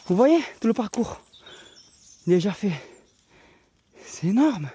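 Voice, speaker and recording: A man's voice: high voice, sing-song, slow pace, mellow, slightly rough, dry recording. A man vlogging outdoors while walking a hillside trail, exhorting his viewers as friends in a preaching style, filmed on a handheld phone. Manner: walking and climbing while talking. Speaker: evangelist. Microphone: handheld phone camera.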